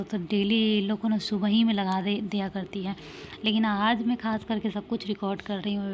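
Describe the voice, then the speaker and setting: A woman's voice: medium pitch, darkish tone, slight background noise. A woman in her thirties, a mother chatting casually in a daily home vlog, rambling with lots of fillers. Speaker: vlogger, mother.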